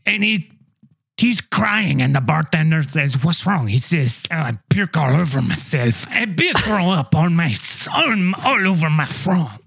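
A man's voice: fairly high pitch, lively intonation, vocal fry, fairly bright tone, slightly rough, no room sound, full character voice. A man playing a pompous French train waiter with a put-on French accent, drawling insults in an improv comedy scene. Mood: storytelling. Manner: haughty, insulting, slow drawl.

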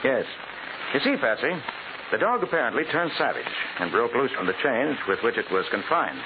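An actor playing a confident private detective in 1940s radio style, explaining things precisely with an American accent. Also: male voice, medium pitch, sing-song, a little fast, phone-quality sound. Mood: assured, explanatory. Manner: precise, expository, authoritative. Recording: hissy, band-limited 1940s radio recording.

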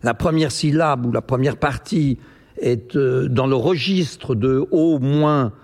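Brief: male host, gravelly voice, halting and full of fillers, relaxed chat. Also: medium pitch. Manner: hesitant, many fillers. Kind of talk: casual chat about word games. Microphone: GoPro camera.

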